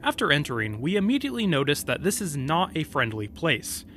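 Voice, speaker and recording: A man reading scripted narration about video game lore, with deliberate, dramatic emphasis. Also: fairly high pitch, big pitch swings, a bit bright, slight background noise.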